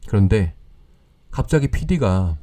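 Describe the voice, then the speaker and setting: A man calmly narrating scripted horror stories in a measured, storytelling way. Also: fairly low pitch.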